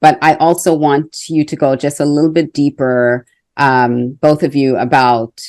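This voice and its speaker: A woman from Trinidad hosting an interview, chatty and quick to laugh. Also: sits low, level tone, darkish tone, dry recording. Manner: chatty, laughs between phrases. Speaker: host. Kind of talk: casual interview.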